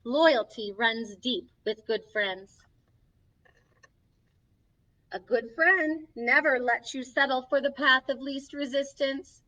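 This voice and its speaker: A woman's voice: high voice, measured pace, bright, forceful tone. A woman playing Snow White as a sweet, encouraging young princess, hosting a children's story time with sing-song, reassuring delivery, recorded from a distance with slightly dull sound. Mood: gentle, cheerful. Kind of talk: children's storytelling, reading a picture book aloud.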